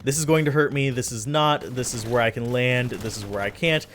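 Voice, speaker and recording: A man's voice: medium pitch, a little fast, fairly bright tone. A man giving casual commentary over his own gameplay, chatty and self-deprecating, often losing his train of thought. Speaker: let's play commentator. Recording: faint game music behind.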